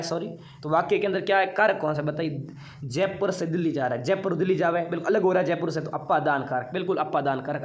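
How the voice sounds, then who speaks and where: A man teaching an online exam-prep class in a playful, chatty way, teasing his students. He mentions he has been unwell. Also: a little high.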